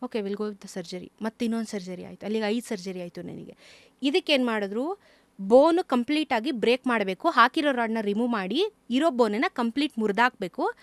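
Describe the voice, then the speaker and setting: A woman guest speaks in a fairly high voice, telling her story candidly and with animated detail. The sound is close and dry, with no room echo. Her delivery is casual and conversational, as in a sit-down interview. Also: fairly quick. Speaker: moto vlogger, interview guest.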